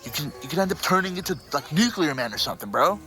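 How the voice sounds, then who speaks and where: A man's voice: fairly high pitch, very animated, quick pace, pushed and bright, faint music behind. An actor playing a reluctant, flustered regular-guy husband with hesitant, defensive, slangy talk in an audio fiction podcast. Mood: exasperated.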